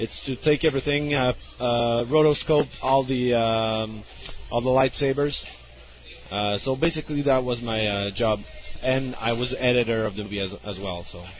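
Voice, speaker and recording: A man talks at a medium pitch and a moderate pace. His ordinary pitch variation comes through over noticeable background noise. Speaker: fan film special effects artist.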